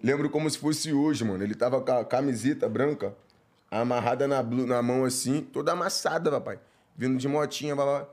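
A man's voice: medium pitch, brisk, darkish tone. A man with a Brazilian Portuguese accent telling a comic story in slangy casual chat, acting out voices and sound effects.

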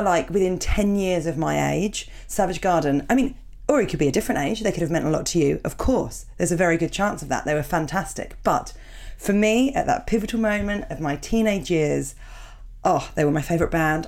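Croaky, gravelly woman with a cold. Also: fairly low pitch, animated, brisk, a little mellow. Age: 30s. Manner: rambling, self-mocking. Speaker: podcast host. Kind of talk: chatty podcast intro, reading listener emails.

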